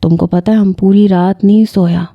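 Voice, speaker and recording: A woman's voice: medium pitch, steady tone, dry recording, phone-quality sound, close to an everyday voice. Woman voicing a pushy young Pashtun husband. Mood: teasing. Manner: blunt, pushy, speaks in broken informal grammar. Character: possessive young Pashtun husband, bold and impatient.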